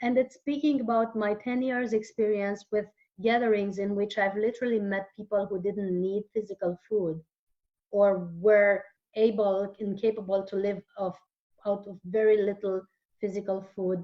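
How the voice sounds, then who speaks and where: A woman with a Romanian accent, medium pitch, fairly even intonation and a moderate pace. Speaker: holistic therapist and author. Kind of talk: interview.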